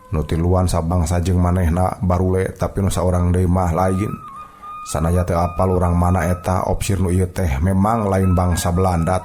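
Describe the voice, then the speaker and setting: Storyteller, male, Sundanese accent, low register, narrating a folk tale with soft music underneath. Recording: music bed behind the voice.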